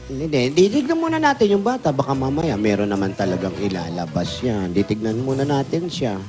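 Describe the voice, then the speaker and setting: A man's voice: medium pitch, big pitch swings, a little fast, close to an everyday voice. A man playing an exasperated elderly grandmother in a live comedy sketch, scolding and cutting others off impatiently. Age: older. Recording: live broadcast with music.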